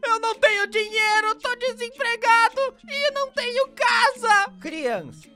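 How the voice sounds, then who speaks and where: A woman voicing a cheeky, vain cartoon boy who pranks his friend, squeaky and excitable. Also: a little slow, music in the background. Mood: excited.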